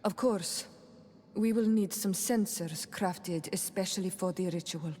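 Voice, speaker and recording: Earnest, low-voiced young tribal healer. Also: female voice, measured pace, warm tone, breathy edge, in a large hall. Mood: solemn, grateful. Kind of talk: video game voice acting.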